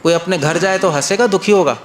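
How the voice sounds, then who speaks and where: A male monk tells a story in a loose, chatty sermon, often checking that his listeners follow him. His voice sits a bit higher than most men's. The room gives it a noticeable echo, with a faint hiss behind. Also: brisk. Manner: conversational, checks listeners follow, repeats phrases. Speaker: monk and spiritual teacher. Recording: roomy echo, faint noise.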